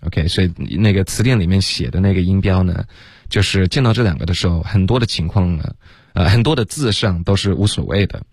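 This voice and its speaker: A man teaching English pronunciation on a radio lesson in a relaxed way, often dropping "OK" and "right" between explanations and slowly sounding out words. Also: low voice, dry recording.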